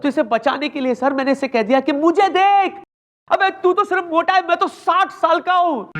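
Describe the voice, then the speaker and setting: A man's voice: very high voice, normal speed, a bit bright. An actor playing a flustered police inspector who fawns over his boss in a TV sitcom. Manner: flustered, fawning. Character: flustered male police inspector, eager to please. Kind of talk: TV sitcom acting. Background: background music.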